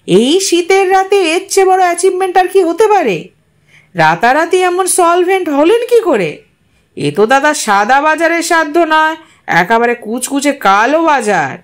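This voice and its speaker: A woman's voice: very high-pitched, big pitch swings, a little slow, pitched above the performer's own voice, exaggerated voice. Woman playing exuberant teasing male office colleague. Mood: excited teasing. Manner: theatrical, bantering.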